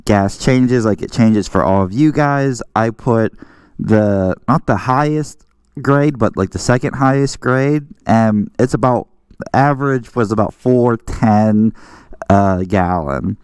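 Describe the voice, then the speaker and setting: A man's voice: fairly low pitch, slow pace, darkish tone, clear, resonant tone, no echo. An American man talking casually as a motorcycle vlogger, explaining things in an informal, rambling way and often correcting himself. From southwestern Pennsylvania, US. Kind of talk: casual explanatory vlog talk.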